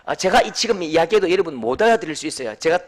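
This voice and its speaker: A pastor preaches a sermon. He tells it like a story and acts out the dialect quotes. His voice sits high and moves up and down a lot. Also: racing. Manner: storytelling with mimicked dialect quotes, lively and animated.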